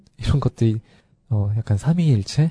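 A man's somewhat breathy, dark, mellow voice at a fairly quick pace. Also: dry, close sound with no echo. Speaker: podcast co-host. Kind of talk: casual chat. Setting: semi-basement recording room.

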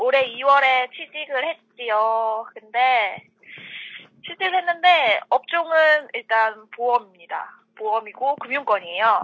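Her intonation is lively and her pitch is high. The woman's pace is very slow. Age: 20s. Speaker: new office employee. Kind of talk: casual chat.

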